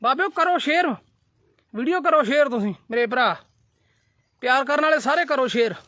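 Man, high pitched, bright, defiant, repetitive, casual ranting stream, dry close sound. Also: animated, fairly quick, no echo. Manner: defiant, repetitive, addresses viewers as brothers. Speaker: social media live streamer. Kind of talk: heated casual rant to viewers.

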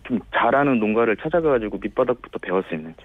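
Tinny phone-line man, lowish voice. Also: expressive, fast, no room sound. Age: late 30s. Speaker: phone-in guest, small farm owner. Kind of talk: polite, informal interview answers. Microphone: telephone call.

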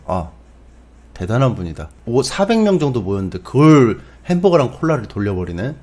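Animated husky-voiced man telling a story. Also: mid-range voice. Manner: animated, acts out his own past lines with loud outbursts. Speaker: streamer. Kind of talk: casual storytelling to stream chat.

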